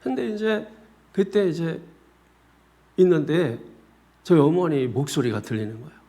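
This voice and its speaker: A man's voice: a little high, normal speed. A man, a senior pastor, preaching a sermon and telling a personal story, often speaking straight to his congregation. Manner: animated storyteller, often addressing the congregation directly. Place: church sanctuary.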